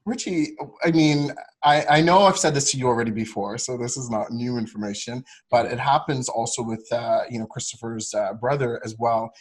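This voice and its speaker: Male coach host, mid pitch, slightly husky, friendly interviewer. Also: moderate pace, hardly any pauses. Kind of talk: casual video call discussion.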